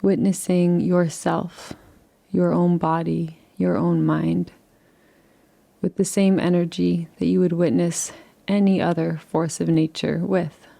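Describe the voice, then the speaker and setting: A woman leading a guided relaxation in a soft, unhurried, soothing way, gently inviting rather than instructing, with long pauses between phrases. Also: fairly low pitch, little pitch movement, vocal fry. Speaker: meditation guide.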